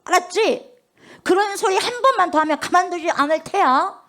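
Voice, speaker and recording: A woman's voice: very high voice, moderate pace, a bit bright, pitched above the performer's own voice. A woman preacher voicing menacing male priests who threaten prisoners in commanding tones.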